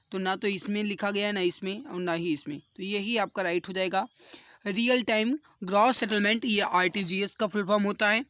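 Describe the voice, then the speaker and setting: A man's voice: high-pitched, bright, forceful tone, dry recording. A man explaining quiz questions as an exam coaching teacher, repeating key answers for emphasis.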